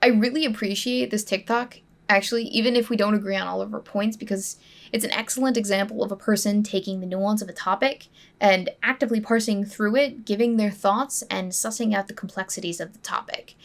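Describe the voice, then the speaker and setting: A woman hosting a commentary channel, measured and wry, with sarcastic asides. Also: mid-range voice, steady tone. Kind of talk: scripted commentary.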